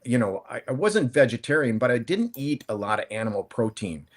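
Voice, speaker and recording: A man in his fifties, a plant-based food entrepreneur guesting on a panel, tells his story in casual chat. His medium-pitched voice is very animated and fairly quick, and he rambles conversationally, often restarting and correcting himself.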